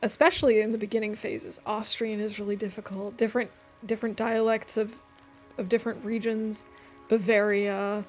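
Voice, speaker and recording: A woman's voice: medium pitch, level tone, moderate pace, a little mellow, soft background music. A woman streaming a game, chatting casually and thinking aloud with frequent fillers. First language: English. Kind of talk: casual gaming stream chat.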